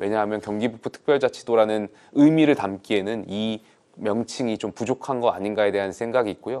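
Fairly even in intonation, a man speaks at a fairly low pitch. His pace is fairly quick. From Gyeonggi Province, South Korea (Pocheon-Gapyeong); Gyeonggi Province, South Korea. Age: 30s. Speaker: newly elected lawmaker; interview guest. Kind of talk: interview. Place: studio. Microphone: lapel.

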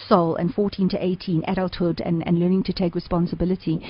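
This voice belongs to a woman. It sounds somewhat breathy. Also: dry sound with no echo. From South Africa. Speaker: radio talk show host. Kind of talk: radio interview. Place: studio.

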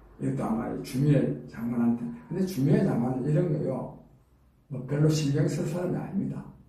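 With audible room echo, a man speaks fairly quickly in a fairly high pitch. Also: ordinary pitch variation. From South Korea. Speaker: political commentator. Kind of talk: political commentary monologue. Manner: animated. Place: studio.

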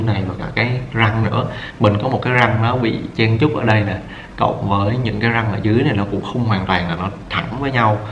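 Recorded with audible room echo and light background noise, a man speaks at a moderate pace in a fairly low pitch with ordinary variation. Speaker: vlogger. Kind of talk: casual vlog chat. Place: home room.

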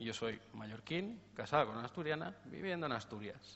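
Light background noise is present. A man talks at a moderate pace. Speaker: crowdfunding platform representative; speaker. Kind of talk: conference presentation. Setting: stage with audience. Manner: casual, jokey. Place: stage. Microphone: lapel.

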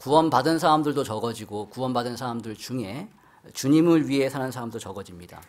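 The speaker has a normal speaking voice at a fairly quick pace. Pitch variation is ordinary, while loudness swings widely. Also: man, medium pitch for a man. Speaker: pastor. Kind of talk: sermon. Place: church. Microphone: podium.

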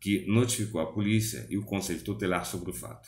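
Talking at a very fast pace, a man uses a fairly low voice with vocal fry, and audible room echo surrounds him. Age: 40s. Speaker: online news presenter; news presenter. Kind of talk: news reading. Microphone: lapel.

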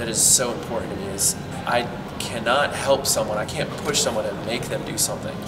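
Loud background noise sits under speech delivered at a fairly quick pace. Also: man. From North Carolina, Raleigh. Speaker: graduate student. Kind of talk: interview testimonial. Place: hall.

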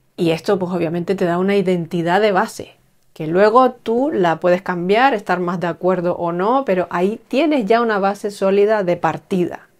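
A woman's voice shows normal rises and falls in pitch, set against a hushed backdrop. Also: moderate pace. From Spain. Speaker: I Ching and Chinese metaphysics teacher. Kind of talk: solo educational video talk. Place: home room. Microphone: phone near.

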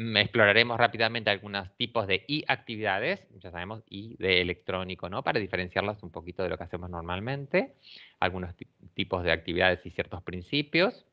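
An unremarkable speaking voice at a fairly quick pace, with ordinary pitch variation, big swings in loudness and a quiet background. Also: man, fairly low pitch for a man. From Argentina. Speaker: university lecturer. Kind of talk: lecture. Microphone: video call.

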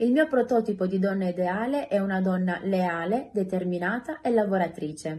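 At a moderate pace and medium pitch, a woman talks with hardly any pauses, her voice somewhat breathy and dark and mellow in tone, her intonation lively. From Sicily, province of Agrigento; Sicily. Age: 20s. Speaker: beauty pageant contestant. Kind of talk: self-introduction video. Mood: calm, gentle, hopeful. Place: home room. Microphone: phone near.

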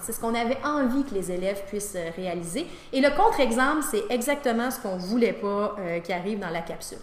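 A woman talks at a fairly quick pace amid light background noise and audible room echo. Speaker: primary school teacher. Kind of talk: interview answer. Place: classroom.

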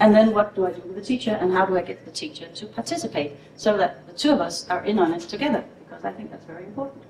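Delivered at a very fast pace with hardly any pauses, the speech has big swings in loudness, audible room echo and light background noise. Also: woman. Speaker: presenter. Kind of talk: conference presentation. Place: classroom. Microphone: camera far.

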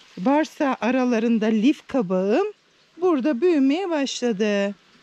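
The speech comes at a very slow pace, in a dry sound with no echo. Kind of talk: casual vlog chat. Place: garden. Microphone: phone near.

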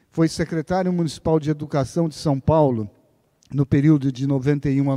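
Dark, mellow male speech with fairly even intonation. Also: quiet background. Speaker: institute director introducing guests. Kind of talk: welcome speech. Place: stage. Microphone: handheld.

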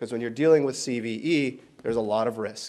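A man with a plain, everyday voice keeps a medium pitch and ordinary pitch variation while talking at a fairly quick pace. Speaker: philanthropy executive. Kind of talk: panel presentation. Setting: stage with audience.

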